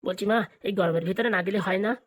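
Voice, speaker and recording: Woman playing a fast, blunt old village grandpa. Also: medium pitch, lightly acted. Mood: coaxing. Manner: scolding, blunt, colloquial. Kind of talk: comic cartoon dialogue.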